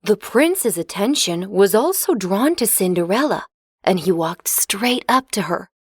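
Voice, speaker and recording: A woman's voice: medium pitch, measured pace, no echo, studio quality. Woman reading a children's story. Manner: clear, expressive, even reading. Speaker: narrator. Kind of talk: scripted storybook narration for children.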